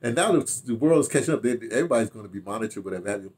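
A man's voice: lowish voice, racing. Older American man, rambling storyteller. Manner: animated, rambling storytelling with repeated phrases and asides. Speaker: audio dramatist and theater director telling his memoirs. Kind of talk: casual reminiscing to camera. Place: small home study, indoors.

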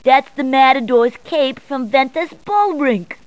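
A cheerful adult policewoman from a game, trading one pun after another. Her voice sits high and perky, and the studio recording is dry and close with no room sound. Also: expressive, measured pace, dry recording. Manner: upbeat, punning, chatty. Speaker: voice actor. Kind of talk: game voice clips.

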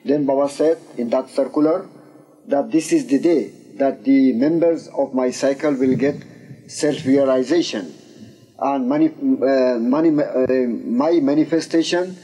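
A man's voice: medium pitch, a little slow, breathy edge, poor audio. An older man, a native Persian speaker from Iran, telling a life story in a dim indoor room on old videotape, his voice rising when he quotes people. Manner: animated storyteller, voice rising in quoted speech, gesturing. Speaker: interviewee. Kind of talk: storytelling oral history. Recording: old VHS tape.

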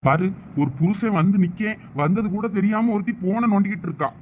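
A man's voice: sits high, fast talker, over music. A young man acting a husband in a village comedy skit, coaxing and pleading playfully. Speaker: sketch actor. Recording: dull lo-fi recording.

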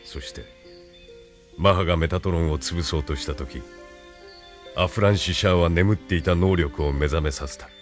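An actor playing a stern, cold military colonel who gives orders in a measured, commanding tone in an anime radio drama. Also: male voice, low-pitched, faint music behind, natural voice.

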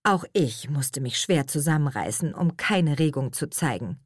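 Lively, low-pitched woman narrating. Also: moderate pace, husky, no echo, studio quality. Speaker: audiobook narrator. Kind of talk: first-person audiobook narration.

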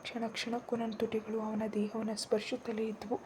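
A woman reading a first-person romance story in a soft, half-whispered, intimate way. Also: a little high, monotone, fairly quick, heavy background noise.

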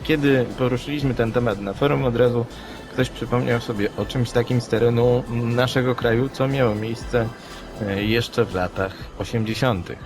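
A man's voice: medium pitch, fairly even intonation, moderate pace. A man co-hosting a podcast, giving commentary in wordy, reflective sentences. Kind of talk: unscripted news commentary. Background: music playing under the voice.

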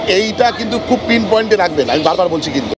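A man's voice: animated, rapid-fire. A man giving a casual travel vlog, chatting and explaining things to viewers and companions. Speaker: travel vlogger. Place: aboard a local train. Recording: noisy train ambience. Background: train and vehicle rumble.

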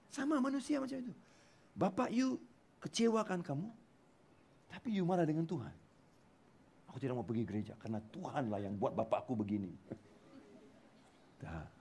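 A male pastor with a Malaysian accent delivers an animated sermon in a church, his voice sitting high for a man. He swings between loud, emphatic bursts and hushed, low asides, slipping English words into his Malay. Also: husky. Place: church hall.

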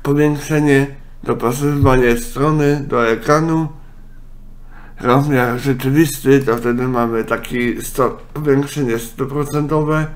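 Slow-talking man with blocked nose. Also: medium pitch. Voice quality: congested, blocked-nose sound; speech impediment, imperfect articulation. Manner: halting, with self-corrections. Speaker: software tutorial presenter. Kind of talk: casual screen-recorded software walkthrough.

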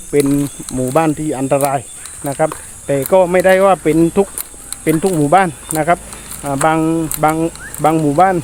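A man talking casually to viewers in an explanatory vlog, hesitant and repetitive, with many drawn-out filler pauses. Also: on the high side, darkish tone. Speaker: soldier vlogger addressing viewers. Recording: noisy outdoor recording with insect ambience.

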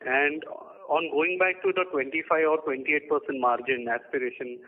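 A man's voice: fairly high pitch, fairly even intonation, moderate pace. A man calling in as an analyst, putting questions on an earnings call. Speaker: investor analyst caller. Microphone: phone. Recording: thin phone line.

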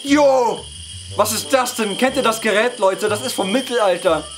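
A hoarse young man doing let's-play commentary, excitable, yelping and laughing as he talks to his viewers. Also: high-pitched, moderate pace. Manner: excitable, yelps and laughs, keeps addressing viewers. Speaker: gaming YouTuber. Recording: background music under voice. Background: game music.

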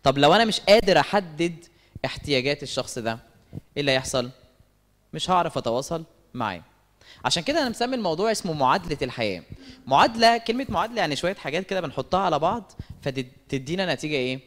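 Egyptian guy preaching fast in a church hall, voice bouncing up and down, lots of questions to the crowd. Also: fairly high pitch, sing-song, fairly bright tone. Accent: Egyptian Arabic. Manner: asks the audience questions and answers them. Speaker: speaker at a church service meeting. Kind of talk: lively sermon-style talk with stories. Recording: long reverb of a church hall.

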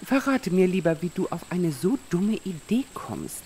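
A genteel queenly mother played by a woman in an audio play. Her voice is mellow and swoops expressively, indulgent and theatrical, with faint ambience behind it. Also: on the low side, very animated, moderate pace, slight background noise. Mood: scolding. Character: doting royal mother, genteel maharaja's wife. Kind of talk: audio drama acting.

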